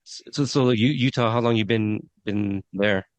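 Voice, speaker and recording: A man's voice: fairly low pitch, normal speed, dry recording. Casual male podcast host in his thirties, meandering and full of "um"s, dry lo-fi sound. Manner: rambling, many fillers and restarts. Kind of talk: casual interview chat.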